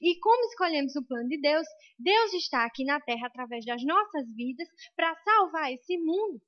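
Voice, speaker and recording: A woman's voice: high-pitched, expressive, moderate pace, no echo, muffled recording. A young Brazilian woman preaching a sermon in a church with a Brazilian Portuguese accent, impassioned and building to emphatic peaks.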